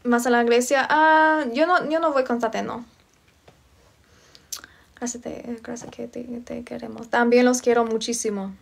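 This livestream host, a young woman from Virginia in the US, chats casually from a room in her home with the phone close to her. She greets viewers by name and reads and answers their comments in a high-leaning, gravelly voice that stays steady and moves a little slowly.

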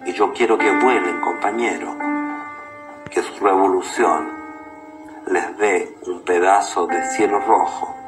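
A Chilean man acting a defiant, proud ageing gay poet, declaiming deliberately in a radio play monologue. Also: sits low, steady tone. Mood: earnest, wistful. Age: older. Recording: roomy echo with music behind.

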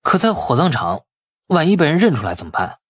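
A man's voice: fairly high pitch, huge pitch swings, a little fast, fairly bright tone, husky, voice pushed up, exaggerated voice. A man playing an eager, easily flustered young nephew in an audiobook, speaking colloquially and expressively to his aunt. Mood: alarmed.

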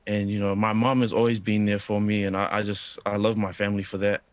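A man's voice: on the low side, flat delivery, quick pace, clear, resonant tone, no echo. A young man from New Zealand on a video call, answering politely and earnestly, calling the host sir. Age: young adult. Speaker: interviewee. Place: indoor room.

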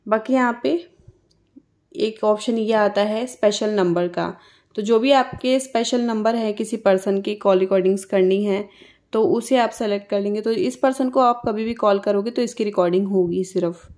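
A woman with an Indian accent presents a step-by-step tutorial. Her voice sits at a medium pitch, and she explains each step in a casual, conversational way, like a host guiding viewers through a phone. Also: moderate pace, darkish tone. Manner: instructional, conversational.

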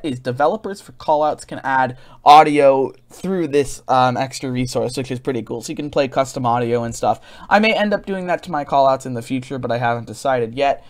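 A man giving a casual software tutorial as host, recorded as a voice-over at his computer. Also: mid-range voice.

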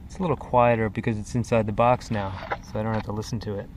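A man's voice: fairly low pitch, fast. A man casually showing off his kayak gear, rambling with plenty of fillers, recorded outdoors on the water with an action camera. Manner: relaxed, rambling, frequent "uh" fillers. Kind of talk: casual show-and-tell narration. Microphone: action camera mounted on the kayak. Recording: noisy outdoor camera audio with wind and water.

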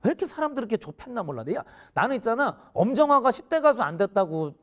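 A man in his forties, a teacher, telling a funny story in an animated way and often laughing mid-sentence. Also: very high voice, fast. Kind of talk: humorous storytelling lecture.

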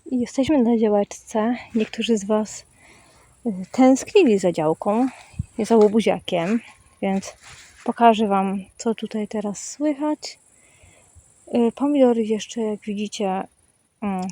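A woman chatting casually as she films a walk outdoors, talking to viewers and cooing loudly to her dog. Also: a little high. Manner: coos in a loud sing-song baby voice to her dog; calm, unhurried chatty commentary. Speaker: vlogger. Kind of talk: casual walking vlog. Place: outdoors in the countryside and a garden plot.

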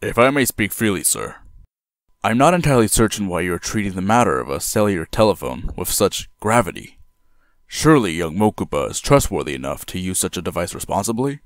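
A man's voice: low voice, sing-song, fairly quick, dry recording, studio quality. A man playing a dutiful, polite aide to a young boss in an audio drama, formal and deferential. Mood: respectful concern.

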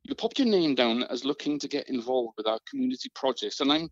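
Anxious British man, acted, earnest, polite, lively pitch, dry, slightly muffled sound. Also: quick pace, dry recording, natural voice. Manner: hesitant, worried, polite. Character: anxious, earnest male events project worker. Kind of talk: radio drama.

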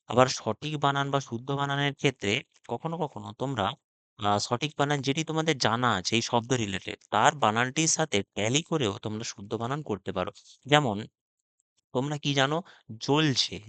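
Male teacher, mid-pitched, patient spell-it-out delivery, word by word, dry recording. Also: a bit bright, no echo. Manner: spells words out letter by letter, repeating them. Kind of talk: spelling lesson for exam students.

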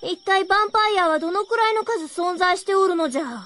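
A proud young princess in a radio drama. Her voice is very high, bright and animated, with imperious, old-fashioned phrasing and a quick temper. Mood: indignant, curious. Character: haughty, hot-tempered young princess, archaic regal speech. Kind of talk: Japanese radio drama acting.

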